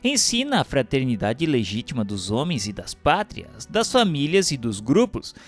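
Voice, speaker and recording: Casting: Brazilian male narrator, medium pitch, formal declamatory delivery of solemn spiritual prose, light music behind. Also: wildly swooping pitch, moderate pace. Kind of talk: solemn scripted narration of a religious text.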